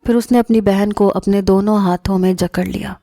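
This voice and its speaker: A woman narrating a first-person story in a calm, measured storytelling manner. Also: medium pitch, vocal fry, dry recording, clean studio sound. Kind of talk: scripted narration.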